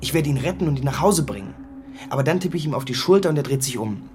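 A man's voice: fairly high pitch, expressive, quick pace, darkish tone, soft background music, natural voice. An actor playing a sardonic, gloomy teenage boy in a radio play who teases with crude slang. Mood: uneasy.

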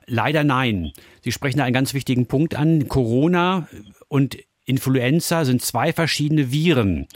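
A man's voice: medium pitch, normal speed, no echo. Male physician, mid-range voice, reassuring explainer for medical advice, dry studio sound. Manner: reassuring, explains in simple terms. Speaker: doctor answering callers.

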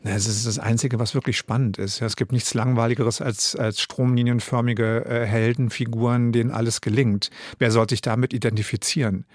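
German guy in his 50s, thinks out loud, lots of ums and restarts, very dry close sound. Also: medium pitch, little pitch movement, a little fast, hardly any pauses, dry recording. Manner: thoughtful, many hesitations and restarts. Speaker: radio drama director and author. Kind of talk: interview answers.

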